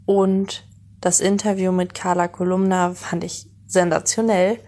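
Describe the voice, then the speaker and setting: A twenty-six-year-old woman records a fan message. She speaks very slowly, in a fairly low voice with very little melody. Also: little pitch movement, dark tone. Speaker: podcast listener, fan.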